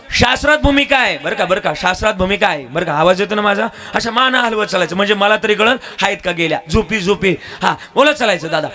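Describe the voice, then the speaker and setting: A man with a strikingly high voice delivers a devotional kirtan sermon to a village gathering. He asks rhetorical questions, prompts the crowd to answer back, and slips into song. His voice comes through a microphone, with devotional instruments playing clearly underneath. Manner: animated, rhetorical call-and-response, breaks into song. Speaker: kirtan preacher. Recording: live music accompaniment.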